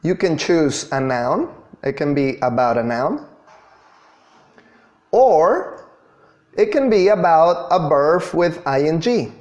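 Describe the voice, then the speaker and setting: A man in his thirties giving an online English grammar lesson in a deliberate, instructional manner, stressing key words. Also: a little high, a little mellow, lo-fi sound. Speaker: English teacher. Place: small indoor room.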